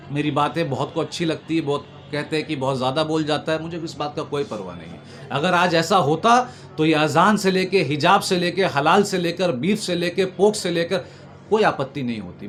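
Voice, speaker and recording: A man's voice: a little high, a bit bright. A man making an impassioned political argument, emphatic and repetitive, building his points in oratorical lists. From Bengal, India. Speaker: political commentator being interviewed. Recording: noticeable background noise.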